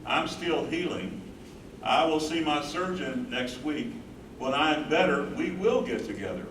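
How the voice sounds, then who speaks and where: A man's voice: fairly high pitch, unhurried, fairly bright tone. A man in a staged reading, playing a tender, devoted elderly husband of a wife with Alzheimer's. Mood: tender, reassuring. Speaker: stage reader. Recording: echoey room, far from mic, background noise.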